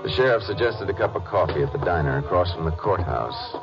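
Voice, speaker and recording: A very deep American voice gives us a calm, stern lawman of 1950s radio drama. He is terse and businesslike. The sound is a dull, muffled old broadcast. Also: fairly quick, over loud music. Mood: measured narrating. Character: calm, stern Texas Ranger investigator.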